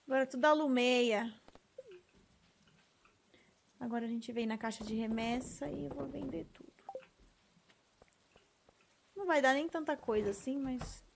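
A woman's voice: high voice, unhurried, creaky, long pauses, slight background noise. A woman with a Brazilian Portuguese accent, chatting to herself while playing a farming game. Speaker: streamer. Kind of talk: gameplay commentary.

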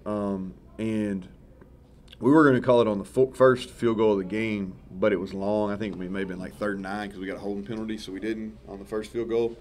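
Brisk and on the low side, this man is a head football coach in his thirties speaking after a game. Into several table microphones in a press conference room with a sponsor backdrop, he offers honest, wandering answers in an easygoing manner, often correcting himself.

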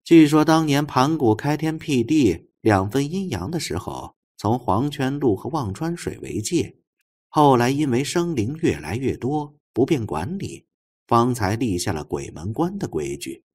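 A man's voice: medium pitch, sing-song, unhurried, darkish tone, breathy edge. Man reading as an earnest, emphatic female investigator. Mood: earnest, explanatory. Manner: emphatic, explanatory storytelling.

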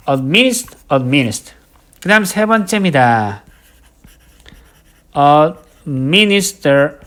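Male vocab instructor, lively up-and-down delivery, drills each word over and over. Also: sits high, clear, resonant tone. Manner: drills words by slow repetition, writes as he explains. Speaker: English vocabulary teacher. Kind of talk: recorded vocabulary lecture.

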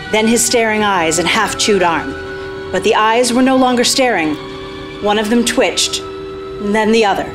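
A woman's voice: on the high side, rough recording. A woman on stage reading scripted narration for a radio play. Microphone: stand microphone. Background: music.

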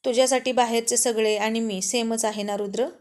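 A woman's voice: on the high side, steady tone, brisk, darkish tone, natural voice. A woman voicing a headstrong, defiant young woman who argues and pleads in a told love story.

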